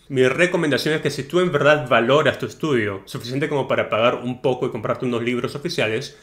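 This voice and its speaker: A man's voice: mid-range voice, fairly bright tone. Guy explaining test prep, casual and direct, keeps throwing in "ok?" checks, mid-range voice. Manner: chatty, tags sentences with ¿no? and ¿ok?; direct, advising tone, addresses the viewer as tú. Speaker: English exam tutor. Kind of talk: casual instructional video.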